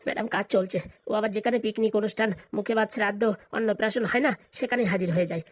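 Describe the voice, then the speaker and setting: A performer voicing a fawning, flattering lawyer sidekick in a comedy cartoon, eager and colloquial. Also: medium pitch, racing, no echo, close to an everyday voice. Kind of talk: exaggerated cartoon comedy dialogue.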